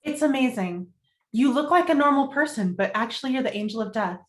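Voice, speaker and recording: A woman's voice: a little high, expressive, fairly quick, natural voice. A woman playing Sally, a fussy, wry and skeptical young journalist, in a table read of a romantic comedy script. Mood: wry, dry. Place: indoor room, virtual table read.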